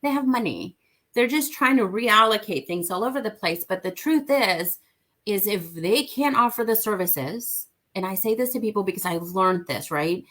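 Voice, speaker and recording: A woman's voice: medium pitch, animated, normal speed, fairly bright tone. A woman from Mexico, a parent of an autistic son, talking earnestly as a guest in a casual interview and repeating her key points for emphasis.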